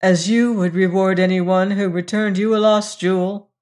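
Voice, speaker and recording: A proud young gypsy woman of the slums, as a woman narrator plays her in a storybook reading. She speaks gravely and curtly, keeping herself in check with noble scorn. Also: medium pitch, steady tone, normal speed, darkish tone, lightly acted. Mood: scornful. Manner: curt, grave, self-controlled.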